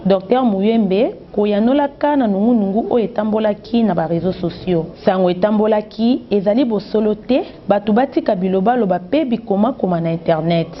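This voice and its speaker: Woman, mid-pitched voice, steady news reading, dull lo-fi audio. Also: slight background noise. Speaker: news reporter. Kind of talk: read news report.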